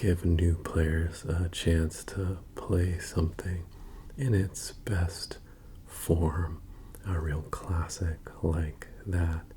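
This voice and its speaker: Soft-spoken and very slow, a man talks in a very deep, low voice with monotone, flat intonation. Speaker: ASMR creator. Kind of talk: casual talk to camera.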